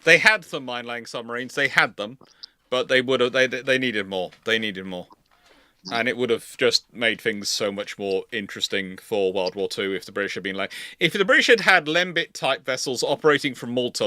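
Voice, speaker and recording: A man's voice: medium pitch, normal speed, pushed and bright, no echo. A man hosting a casual live question-and-answer chat, talking in a rambling, digressive way. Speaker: host of a live naval history Q&A.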